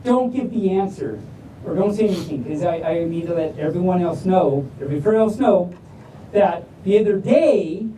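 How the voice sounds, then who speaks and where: A woman reading stories aloud to a live audience in a playful, silly way, rambling off into self-deprecating asides. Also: mellow. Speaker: storyteller reading picture books to an audience. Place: large room at a live convention event. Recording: roomy, distant mic with faint rumble.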